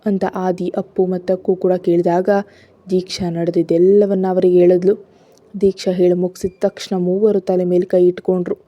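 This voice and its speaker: A woman reading a dramatic romance story aloud in a soft, steady narration. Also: fairly low pitch, normal speed, no room sound, lo-fi sound.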